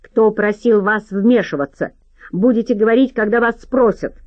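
A woman reading an audiobook, voicing a domineering man who shouts angrily at his servant. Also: medium pitch, moderate pace, no room sound, muffled recording, voice pushed up, close to an everyday voice. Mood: angry. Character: angry, domineering older male master.

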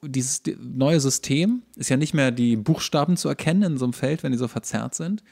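A man hosting a podcast, chatting casually in a halting, comically exasperated way. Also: medium pitch, vocal fry, a little mellow. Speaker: podcast host.

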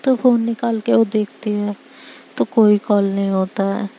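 A woman telling a romance story in a relaxed, conversational way with casual filler phrases. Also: medium pitch, measured pace, vocal fry, slight background noise.

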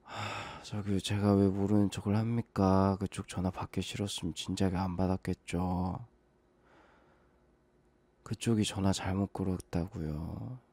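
A man acting out a late-night phone call with a stranger in a whispered role-play, speaking in a hushed, calm voice that turns urgent and reassuring. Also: low voice, a little slow, breathy edge.

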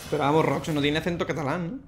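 A young man, chatting excitedly and laughing often as he plays through a video game. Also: on the high side, rapid-fire. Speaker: gaming YouTuber. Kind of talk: let's play commentary. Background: faint game music.

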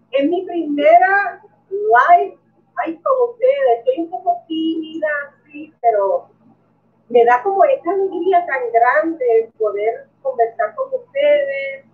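A woman hosting her first live stream, chatting emotionally with viewers and greeting them by name. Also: high voice. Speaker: coin collecting channel host. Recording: tinny phone-like audio from a distance.

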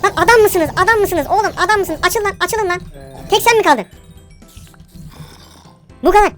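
A woman commentating her own gameplay live, brash and bossy, yelling slangy orders at the game's monsters. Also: very high voice, moderate pace, soft background music.

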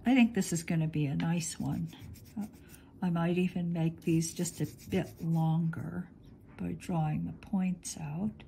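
A middle-aged woman teaching clay work in her home studio, talking slowly as she thinks aloud, a little sniffly. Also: on the low side, steady tone, gravelly, dark tone, slight background noise. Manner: slow, thinking aloud while working with her hands. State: sniffly, congested. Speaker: polymer clay artist teaching. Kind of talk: relaxed studio demonstration. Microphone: overhead camera on hands, speaker off screen.

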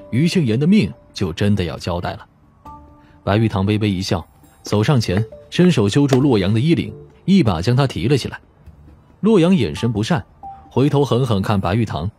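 A man's voice: lowish voice, dark tone. A man narrating a novel in a scripted, dramatic audiobook style.

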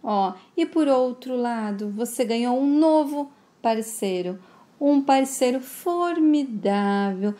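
A woman's voice: on the high side, expressive, slow, dark tone. A woman retelling a soap opera scene, quoting a coaxing, scheming man in her own voice. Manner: coaxing, wheedling. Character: smooth-talking scheming man, flirtatious and pushy.

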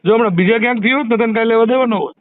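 A man's voice: very high voice, racing, no echo. A man with a Kathiawadi Gujarati accent chatting casually on a phone call. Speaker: community activist. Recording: muffled lo-fi phone call recording.

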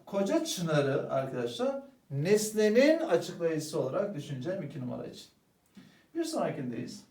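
A man's voice: fairly high pitch, moderate pace, far from the mic. A man teaching an exam-prep grammar lesson, speaking to the students as friends and answering his own questions. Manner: lively, addresses students as "arkadaşlar", asks and answers own questions. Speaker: Turkish language teacher. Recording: roomy echo, voice a bit off-mic.

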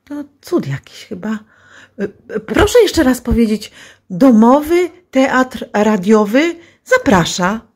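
A harried woman played by an amateur actress runs a home recording session in a radio play. Her voice is high, and she fretfully doubles her words as she tries to keep control. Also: big pitch swings, takes it slowly, darkish tone. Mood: amazed.

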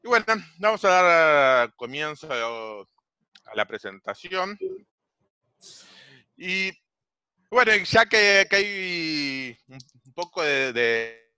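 A man in his forties with an Argentine Rioplatense accent, giving a virtual coaching class on a video call with a headset, halting with many fillers and repeated words. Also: on the high side, big pitch swings, pushed and bright, clear, resonant tone, no echo. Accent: Rioplatense Spanish. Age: 40s. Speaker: online business coach. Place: home room on a video call.

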